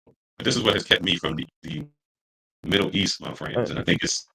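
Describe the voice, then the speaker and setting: A man chatting on a livestream over a glitchy online connection with static, his voice speeding up and slowing down as he talks in a rambling, reflective way. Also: low-pitched, lively intonation, gravelly, sharp tone, poor audio. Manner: rambling, reflective, addresses listeners as brothers and friends. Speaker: livestream co-host. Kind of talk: casual chat.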